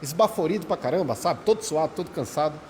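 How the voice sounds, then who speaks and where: A man's voice: fairly high pitch, animated, fast, a little mellow. A man with a Brazilian Portuguese accent giving an informal spiritual talk at a Spiritist study center, speaking conversationally and often checking in with his listeners. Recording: reverberant hall with faint background noise. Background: rain.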